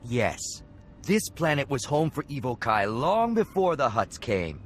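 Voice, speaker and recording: An actor playing an angry young tribal warrior who speaks in an accusing, fiery way. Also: male voice, medium pitch, very animated, a little slow, a little hiss or hum. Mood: furious.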